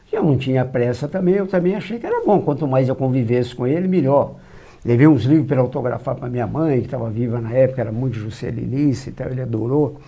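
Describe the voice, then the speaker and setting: An older man with a Minas Gerais accent, telling long anecdotes in a dark, husky voice. He is a lively raconteur who acts out the lines of the people in his stories. He speaks as a guest on an interview show. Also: medium pitch. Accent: Minas Gerais Brazilian Portuguese. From São João del Rei, Minas Gerais, Brazil. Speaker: guest, journalist. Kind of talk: anecdotal storytelling.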